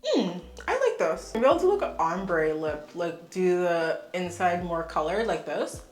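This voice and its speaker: A woman's voice: fairly low pitch, very animated, unhurried, darkish tone, faint music behind. Chatty congested young woman in a roomy space. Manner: chatty, frank, laughs often. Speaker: beauty vlogger. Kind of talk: casual get-ready-with-me chat. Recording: echoey room.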